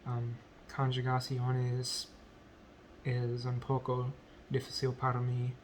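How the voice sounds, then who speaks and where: A man whose first language is English, speaking in a halting vlog as a learner, full of pauses, ums and self-corrections. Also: mid-range voice, monotone, a little hiss or hum. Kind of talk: halting unscripted speech practice.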